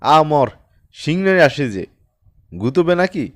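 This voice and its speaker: A man voicing a haughty, callous Brahmin priest in an audiobook story, with sharp taunts and contemptuous commands. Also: fairly high pitch, animated, takes it slowly, no room sound, studio quality. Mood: angry, contemptuous.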